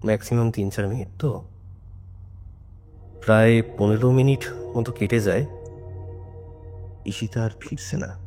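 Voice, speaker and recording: A man's voice: on the low side, steady tone, a little slow, pauses often, a little mellow. Man telling a suspenseful story over music. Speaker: storyteller on a ghost story podcast. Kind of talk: informal conversational storytelling. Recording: music under the voice. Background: background music.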